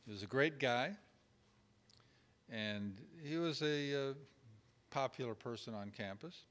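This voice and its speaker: A man giving a relaxed teaching talk on caregiving, halting with fillers and restarts as he works through numbered points. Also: mid-range voice. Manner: unhurried, halting with many fillers, acts out sample dialogue. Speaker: church caregiving trainer.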